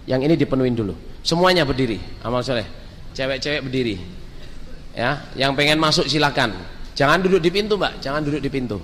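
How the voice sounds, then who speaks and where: A man's voice: mid-range voice, brisk, in a large hall, slight background noise. A man preaching a sermon, telling stories and speaking straight to the congregation. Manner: storytelling, lively, addresses the crowd directly.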